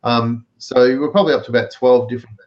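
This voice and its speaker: A man's voice: mid-range voice, steady tone, fast talker. A man with an Australian accent, hosting a casual live stream chat and explaining things with many fillers over a video call. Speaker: live stream show host. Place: home, in the US. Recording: dull lo-fi video call audio.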